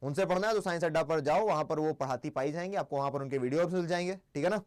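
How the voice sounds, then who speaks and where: This is a young man teaching a class on a live stream, and his voice sits high and light. He chats easily, switches between Hindi and English, and quizzes the class aloud. He drops his pace to dictate the important points. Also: fast talker. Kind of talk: live-stream exam lesson.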